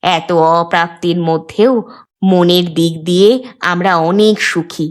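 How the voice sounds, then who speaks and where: A woman playing a gentle, resigned river gypsy mother in a cartoon, speaking earnestly and plaintively. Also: fairly low pitch, fairly even intonation, unhurried, natural voice. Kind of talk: cartoon dialogue acting.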